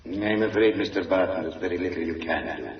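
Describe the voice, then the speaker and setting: A man's voice: deep voice, a little fast, a little hiss or hum. An actor playing a suave, scheming male crime boss who talks with silky, over-polite menace in an old radio drama. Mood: smug menace. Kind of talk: 1940s radio drama acting. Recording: dull roomy old radio recording.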